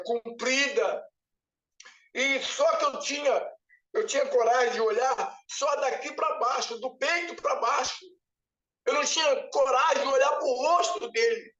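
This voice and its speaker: A man's voice: extremely high pitch, fairly bright tone. A man, a pastor, giving an emotional testimony in church, weeping and pleading as he retells a vision. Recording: echoey room picked up from a distance, muffled.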